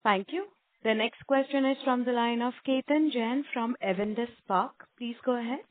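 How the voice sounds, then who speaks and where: A woman's voice: a little high, normal speed. A woman moderating a conference call with formulaic announcements. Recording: narrow phone-like line.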